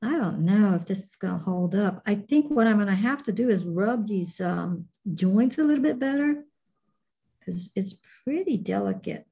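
A middle-aged woman with a mellow, mid-range voice and some vocal fry teaches a clay class, sounding animated at a normal speed. She chats casually while demonstrating, thinking aloud with lots of fillers as she works.

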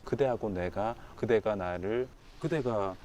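A man in his late thirties, a dating show contestant, chatting and giving remarks to camera in a polite, formal, halting way. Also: on the low side, a little mellow, a little hiss or hum. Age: late 30s. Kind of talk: casual chat and confessional remarks to camera.

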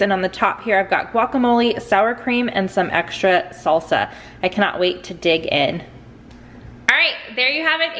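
A woman's voice: on the high side, a bit bright. A woman in her thirties hosts a casual cook-along from her home kitchen. She sounds chatty and upbeat, guiding viewers step by step, recorded close on a camera mic. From United States. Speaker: cooking channel host. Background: dishwasher running in the background.

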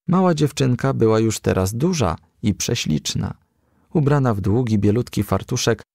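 A man narrates a children's storybook in a low, gravelly voice. The recording is dry and close, with no room around the scripted reading. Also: darkish tone, no echo. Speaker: audiobook reader.

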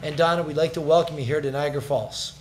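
A middle-aged man chairing a council meeting as mayor, brisk and chatty with joking asides, speaking into a desk microphone in a large chamber. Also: fairly high pitch, steady tone, a little hiss or hum. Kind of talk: formal council meeting announcements.

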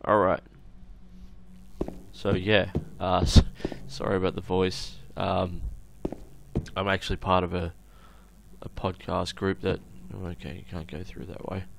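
Aussie guy chatting over a game, deep croaky voice, kinda rambly, noisy mic. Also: level tone. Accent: Australian. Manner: rambling, halting, trailing off into asides. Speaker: gamer recording a let's play. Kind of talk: casual gameplay commentary. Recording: noisy home recording with clicks.

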